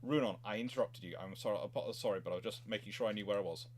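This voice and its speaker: A man's voice: lowish voice, rapid-fire, slight background noise. Rambling man in casual discussion. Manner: rambling, stumbling and repeating himself. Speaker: naval history livestream host. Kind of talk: casual live question-and-answer commentary.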